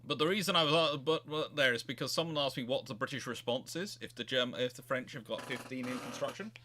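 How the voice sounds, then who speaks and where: A man's voice: mid-range voice, fast, sharp tone. Rambling man chatting about history. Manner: rambling, digressive, self-interrupting. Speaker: host, naval historian. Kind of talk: casual history chat.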